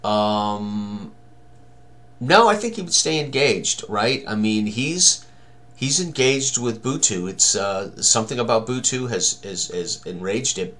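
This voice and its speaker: A man in his sixties with a fairly low voice presents a tabletop game walk-through. He speaks casually and thinks out loud, half to himself, with mild exclamations. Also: lively intonation, slow. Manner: talks to himself, exclaims mildly.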